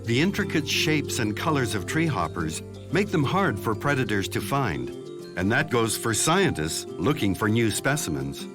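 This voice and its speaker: A man narrates a nature documentary with measured, explanatory phrasing. His medium-pitched voice moves through lively, varied intonation, with music clearly playing behind him.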